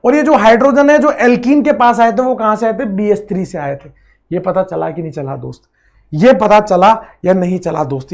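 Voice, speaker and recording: High-voiced man teaching chemistry. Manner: repeats phrases, drills students, calls them friend. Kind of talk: classroom lecture at a board.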